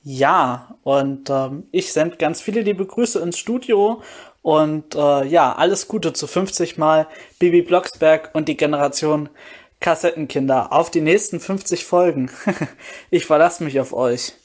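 A man's voice: on the high side, a little slow. A man speaking casually in a voice message with greetings for a podcast. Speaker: podcast guest sending greetings.

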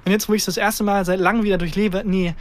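A man's voice: high voice, steady tone, fast talker. A young bilingual man, native in Turkish and German, co-hosting a casual comedic podcast and often stumbling over his words. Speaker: podcast co-host.

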